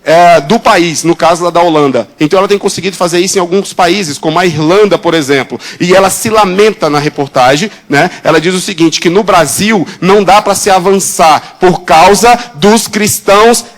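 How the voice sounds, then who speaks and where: A man with a Brazilian Portuguese accent preaching a sermon as a pastor, full of rhetorical questions and quick mimicry of other people's voices. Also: high voice.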